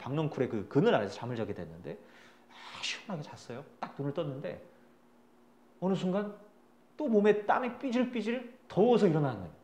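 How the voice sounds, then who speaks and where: A man preaching a sermon as a pastor, telling a story in an animated, chatty way, in a roomy space. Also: sits high. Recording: roomy echo.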